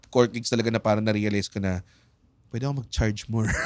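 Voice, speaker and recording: A man is speaking. The sound is dry with no echo. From Philippines. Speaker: comedian and podcast host; comedian, podcast host. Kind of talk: casual chat. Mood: relaxed, joking. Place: studio. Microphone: studio mic.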